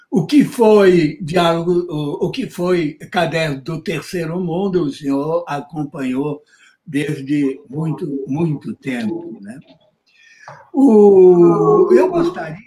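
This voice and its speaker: Slow-talking older Brazilian man, higher-pitched. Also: darkish tone. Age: 70s. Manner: halting, rambling, repeats words. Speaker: interviewer. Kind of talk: informal interview conversation. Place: indoors in a room with bookshelves, on a video call. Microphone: video call microphone.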